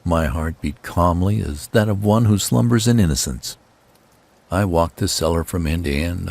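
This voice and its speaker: Very deep, gravelly male horror narrator. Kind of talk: dramatic audiobook narration of a gothic horror tale. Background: steady ambient noise, rain per title.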